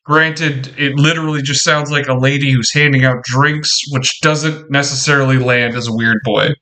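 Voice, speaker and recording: A man playing in a tabletop game, excitable and swearing freely as he chats and laughs with the group. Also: medium pitch, normal speed. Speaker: player. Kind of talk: casual tabletop game chat.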